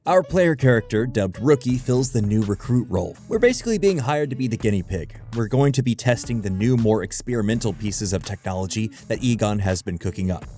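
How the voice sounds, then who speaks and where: A man's voice: mid-range voice, mellow. A man narrating a scripted video essay in a wry, conversational way, with dryly humorous asides. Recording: music bed under the voice. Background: background music.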